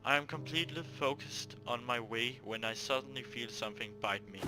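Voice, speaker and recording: A man hosting a let's play, reading a visual novel aloud and breaking off into animated, jokey asides. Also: mid-range voice, brisk, faint music behind, low-quality recording.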